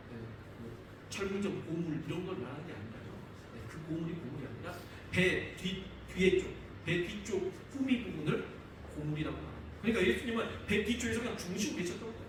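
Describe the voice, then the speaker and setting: A man's voice: sits high, noisy background. A man preaching a sermon as pastor, retelling the story vividly and firing rhetorical questions at his congregation. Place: church sanctuary. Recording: echoey church hall, mic at a distance.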